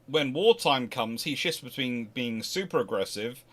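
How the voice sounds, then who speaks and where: A man at a middle, ordinary pitch, hosting a relaxed viewer Q&A. He rambles through his answers, trailing off and restarting sentences as he thinks aloud. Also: normal speed. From Scotland. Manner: rambling, self-correcting, animated asides. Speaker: host answering viewer questions. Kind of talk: casual livestream Q&A.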